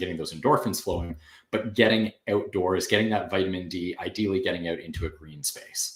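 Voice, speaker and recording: Somewhat breathy male voice, fairly low in pitch, with fairly even intonation. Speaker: podcast guest.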